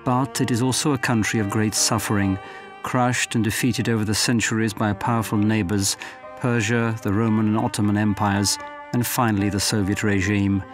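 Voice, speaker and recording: Measured male documentary narrator. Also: fairly low pitch, level tone. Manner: measured, formal. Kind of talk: scripted narration. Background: music.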